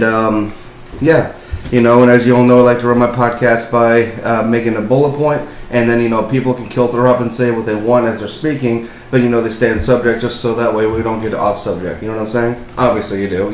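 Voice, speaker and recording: A man's voice: mid-range voice, flat delivery, brisk. A young man hosting his own podcast, talking casually and rambling with lots of fillers and apologies. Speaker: podcast host. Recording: echoey room, faint hiss.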